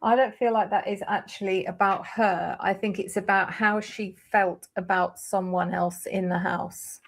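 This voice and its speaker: A woman hosting a live tarot stream, laying out cards and thinking aloud with hesitant pauses. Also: medium pitch, fairly even intonation, vocal fry. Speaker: tarot reader host.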